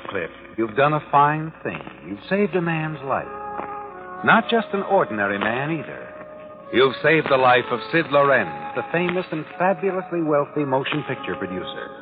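Male actor for knowing, menacing storyteller of 1940s radio noir; medium pitch, thin vintage broadcast sound. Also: phone-quality sound, close to an everyday voice. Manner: ominous, knowing, taunting. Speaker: narrator. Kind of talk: 1940s radio drama narration. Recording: band-limited old radio recording, music behind.

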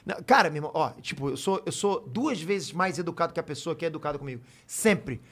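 Man, casual storytelling, high voice, quick pace, swears a lot. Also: expressive, fairly bright tone. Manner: storytelling, swears freely, self-deprecating laughs. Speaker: podcast guest. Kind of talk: casual chat.

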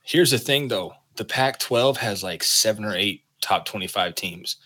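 A man co-hosting a casual sports podcast, conversational with quick asides. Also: fairly low pitch, expressive, sharp tone. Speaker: podcast co-host.

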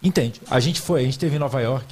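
A man co-hosting a podcast, chiming in with a hesitant, halting manner. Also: mid-range voice, darkish tone, husky. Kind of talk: casual chat.

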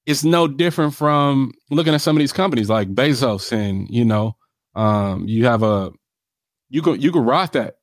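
A man's voice: mid-range voice, no echo, studio quality. A man with an African American accent talking casually in an interview, emphatic and self-assured, often punctuating his points with "right?". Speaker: real estate developer being interviewed.

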